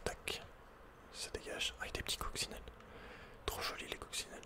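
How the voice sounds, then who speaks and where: A man whispering casual, slangy, playful game commentary in a breathy ASMR style, close to the microphone. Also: brisk. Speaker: ASMR video game player.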